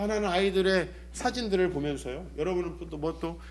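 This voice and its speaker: Audible room echo surrounds a man's voice. He talks at a fairly quick pace. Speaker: pastor. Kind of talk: sermon. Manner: animated, conversational.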